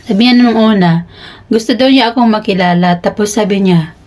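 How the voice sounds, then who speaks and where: A woman's voice: mid-range voice, moderate pace, a little mellow. A young woman with a Filipino accent, chatting casually in a vlog and telling a story with giggles and lots of fillers; she sounds sleepy. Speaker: vlogger.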